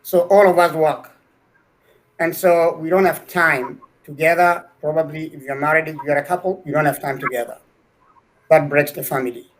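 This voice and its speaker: A man's voice: on the high side, slight background noise, poor audio. A middle-aged man from Kenya, a scholar answering interview questions earnestly, often repeating words as he builds a point. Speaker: guest scholar.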